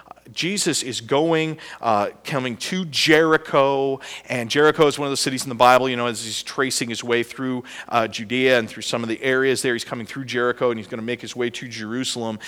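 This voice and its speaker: A male pastor preaching a sermon and praying, often asking the congregation questions and restarting his phrases with frequent "uh" fillers. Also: mid-range voice. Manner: animated, asks the congregation questions; hesitant restarts with many "uh" fillers. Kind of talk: sermon with prayer and Bible reading.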